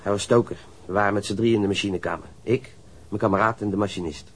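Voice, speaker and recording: A surly young sailor played by a male actor in a radio crime drama, his voice low and husky. He talks in a coarse, sullen, defensive way and tends to stammer when riled. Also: steady tone, fast talker, lightly acted. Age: young adult.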